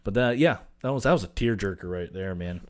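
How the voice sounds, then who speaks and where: A man in his twenties with a slightly low voice co-hosts a fantasy sports podcast. He talks in a relaxed, chatty way and laughs easily through his stories. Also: a little fast. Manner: laid-back storyteller, laughs often. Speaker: podcast co-host, coach. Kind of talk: casual sports chat.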